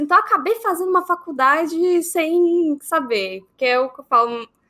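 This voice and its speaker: With a mineiro accent, a woman speaks with lively intonation. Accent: mineiro accent, noticeable on some words. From Minas Gerais, Brazil (Uberaba). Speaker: marketing professional. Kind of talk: podcast interview. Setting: live-streamed podcast.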